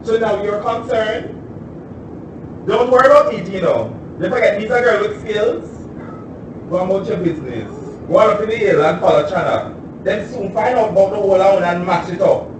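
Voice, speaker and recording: A scornful, proud young trans woman with a Jamaican accent, played by a male actor, high-pitched and biting in every jab. The voice sits far from the mic in a very echoey space, with clear noise behind it, like a recorded stage performance. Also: normal speed, dull audio, close to an everyday voice. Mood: cutting. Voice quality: biting, mocking delivery. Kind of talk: stage play excerpt.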